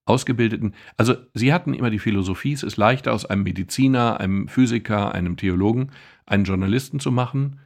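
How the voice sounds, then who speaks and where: A man's voice: fairly low pitch, quick pace, vocal fry. A man around sixty, a physician co-hosting a podcast, telling self-ironic stories in casual conversation.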